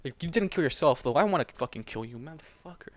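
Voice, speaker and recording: A man's voice: a little high, lively intonation, fast, no echo. A man hosting a fan fiction reading, breaking the story with heated, exasperated, sweary commentary and stumbling over words. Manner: emotional, exasperated asides, stumbles when reading.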